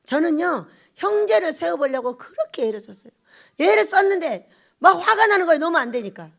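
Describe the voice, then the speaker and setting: A woman pastor preaching a Sunday sermon, swinging from loud, emphatic exhortation to hushed asides and asking the congregation short questions. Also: very high-pitched, very animated, fairly quick, creaky.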